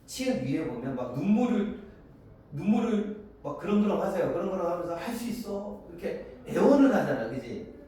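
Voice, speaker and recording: Man lecturing in an echoey classroom. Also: high voice. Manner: lively and animated, keeps asking students for agreement; acts out the lines of characters and students in quick voices. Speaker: Korean literature teacher. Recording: very echoey classroom, voice far from the mic, faint hiss.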